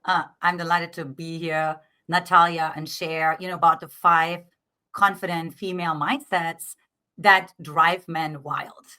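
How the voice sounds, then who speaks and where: Bright-voiced German-accented woman coach. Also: deep voice, steady tone, unhurried. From Eastern Germany. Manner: earnest, explanatory, frequent "right?" tags. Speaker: dating coach guest. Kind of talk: interview, coaching talk.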